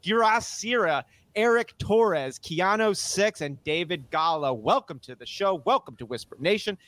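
A man with a notably high voice hosts a podcast, full of energy and racing through lists. The sound is close and dry, with no room echo at all. He keeps an eager, upbeat casual-chat manner. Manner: energetic, rattles off lists quickly. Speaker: podcast host.

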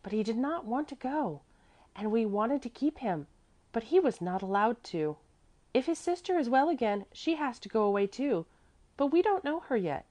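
A small, trusting girl from a children's storybook, acted by a woman reading aloud. Her voice sits high and swings freely up and down. She chatters in an artless, eager way, afraid of very little. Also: sing-song, normal speed, a little mellow. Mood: eager, chatty.

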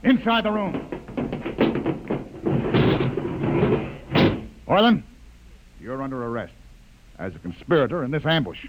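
A man's voice: mid-range voice, huge pitch swings, a little fast, noisy background. A male actor playing an arrogant, hostile American lieutenant, barking commands in a 1950s radio drama. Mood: harsh, triumphant. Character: arrogant, hostile military lieutenant leading armed men. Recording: reverberant vintage radio recording.

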